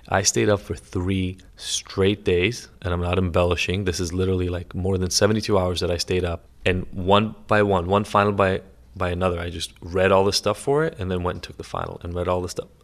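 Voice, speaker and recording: Against a quiet background, a man with a very deep, low voice talks at a fairly quick pace with fairly even intonation. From Israel, moved to Chicago suburbs as teen. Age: 40s. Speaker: addiction expert and author. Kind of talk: interview.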